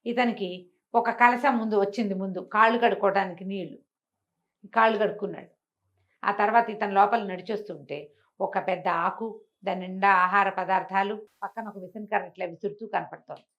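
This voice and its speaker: Female storyteller for bedtime folk tales, conversational, repetitive phrasing, medium pitch, slightly muffled recording. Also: steady tone, moderate pace, fairly bright tone. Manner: conversational, with repetition and acted dialogue. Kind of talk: animated oral telling of a bedtime folk tale.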